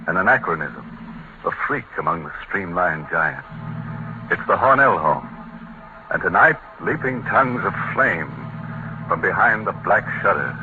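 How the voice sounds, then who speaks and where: A man with a low, sing-song voice, talking a little slowly, acts as host and announcer for a 1940s radio horror show, full of macabre jokes and mock-sinister delivery. Background noise accompanies the muffled, music-laden broadcast.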